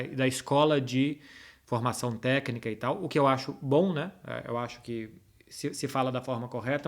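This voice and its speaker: A man with a Brazilian Portuguese accent talking informally and directly to his audience as the host of a football chat. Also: medium pitch. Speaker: host answering viewers' football questions. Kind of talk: casual chat to followers, football analysis.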